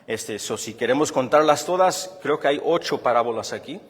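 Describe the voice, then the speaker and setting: A man's voice: medium pitch, expressive, normal speed, husky, long reverb tail. A man from Chicago preaching a sermon, explaining earnestly and often restarting his phrases. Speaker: pastor.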